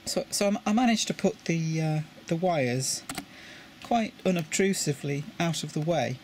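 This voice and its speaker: A man with a British English accent gives a casual tutorial on lighting his model railway coaches, sitting indoors at a table with the layout and repeating words as he handles pieces. His voice is on the high side and darkish, at a moderate pace, with slight background noise.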